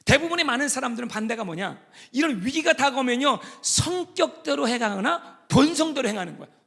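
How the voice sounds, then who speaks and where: A middle-aged man preaching a church sermon, dropping to hushed asides and then rising to loud, emphatic repetition, with English words mixed into his talk. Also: very high-pitched, expressive, fairly quick, creaky. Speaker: pastor. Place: church sanctuary.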